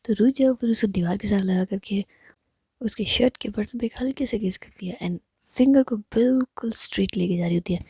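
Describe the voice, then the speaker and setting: Woman storyteller, hushed and intimate, warm gravelly tone, dry close mic. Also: medium pitch, moderate pace, no room sound. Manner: intimate, mostly whispered narration. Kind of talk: retelling a romance story.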